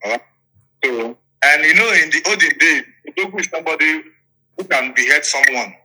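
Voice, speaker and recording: A man's voice: a little high, lively intonation, a little fast, pushed and bright, rough recording. A man with a Nigerian accent telling his account in an interview, emphatic, repeating phrases and checking that his listener follows. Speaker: interviewee, politician. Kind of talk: interview storytelling.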